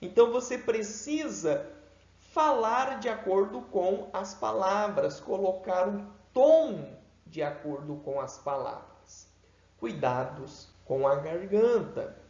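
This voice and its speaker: A man with a Brazilian Portuguese accent teaching a seminary homiletics class in an emphatic, deliberate way, swinging his pitch and loudness for effect. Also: animated. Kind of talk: homiletics lecture. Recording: echoey room, dull lo-fi sound.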